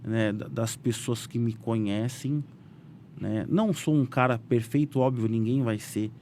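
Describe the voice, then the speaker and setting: A man's voice: measured pace, slight background noise. Brazilian man telling stories animatedly. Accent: Brazilian Portuguese. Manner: animated, voices quotes with raised pitch, frequent "né?" fillers. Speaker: businessman guest. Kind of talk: casual storytelling interview.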